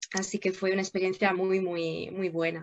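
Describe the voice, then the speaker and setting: Dry and close with no echo, the sound carries a woman's speech. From northwest Italy, near the French border. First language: Italian (bilingual with French) (speaking Spanish). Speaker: language learner and interviewee. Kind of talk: casual interview.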